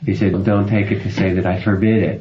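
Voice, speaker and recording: A man working as a live interpreter at a talk, relaying a teacher's words in the third person with halting restarts. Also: fairly low pitch, level tone. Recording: dull lo-fi recording with faint hiss.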